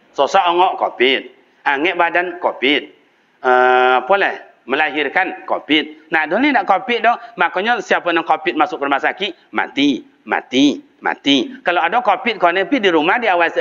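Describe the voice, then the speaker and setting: Older Minangkabau preacher, bright and muffled. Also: male voice. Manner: lively storytelling with sudden high jumps in pitch, often addressing listeners as "Pak". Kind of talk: sermon. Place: mosque.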